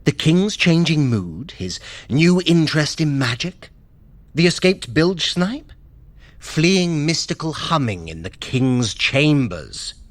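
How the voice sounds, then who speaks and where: A smug trickster god. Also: male voice, on the high side, very animated, no room sound. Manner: sardonic, teasing, quick-tongued. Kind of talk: audio drama acting.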